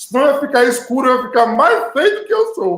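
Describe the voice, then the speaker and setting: Loud and animated, a man speaks at a fairly quick pace. His pitch varies in an ordinary way. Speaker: online course instructor. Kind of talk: online class. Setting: home studio, video stream.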